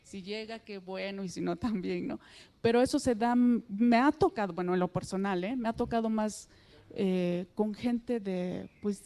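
A Mexican woman whose first language is Mixtec, a singer answering interview questions softly and hesitantly with many fillers. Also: mid-range voice, a little slow, smooth. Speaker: singer guest. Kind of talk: interview answers and folk singing.

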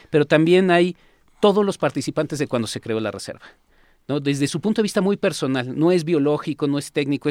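A man, speaking as the executive secretary of a nature reserve, explaining in an animated, casual way with homely comparisons. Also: medium pitch, dry recording, studio quality. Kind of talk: casual interview talk.

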